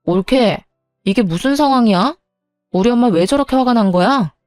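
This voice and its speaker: A woman's voice: on the high side, animated, normal speed, darkish tone, no room sound, soft background music, lightly acted. Woman voicing an entitled bossy sister-in-law. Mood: puzzled. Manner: entitled, whiny, demanding. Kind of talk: dramatized story voicing.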